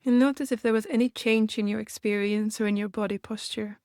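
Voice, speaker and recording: A woman guiding a meditation for beginners in a gentle, reassuring manner, leaving unhurried pauses between phrases. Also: mid-range voice, steady tone, no room sound, studio quality. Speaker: meditation guide and host. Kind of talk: guided meditation, gently instructional.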